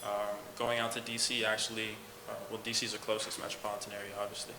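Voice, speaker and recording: A man's voice: lowish voice, completely flat delivery, fast talker. A young man answering judges' questions off the cuff as a student contestant, recorded in an echoey, noisy room. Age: young adult. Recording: roomy, echoey, clearly noisy live recording.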